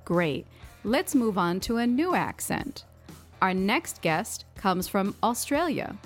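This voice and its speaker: A woman co-hosting an English-learning podcast, explaining things in a clear, friendly way. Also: medium pitch, sing-song, takes it slowly, faint music behind. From United States. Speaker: podcast co-host.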